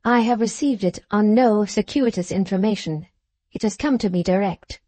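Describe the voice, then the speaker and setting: A woman voicing an earnest, hushed grown son. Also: medium pitch, moderate pace, no room sound, natural voice.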